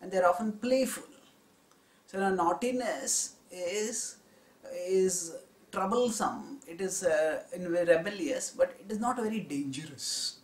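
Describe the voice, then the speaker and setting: A man giving a spiritual discourse on scripture, in a measured, explanatory teaching tone. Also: sits high. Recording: roomy echo.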